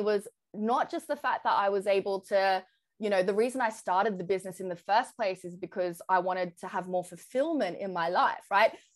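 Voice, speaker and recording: The speaker has a British accent and a fairly quick pace. The recording is very clean, with a silent background. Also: woman. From UK. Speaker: mindset and career coach. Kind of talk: podcast interview.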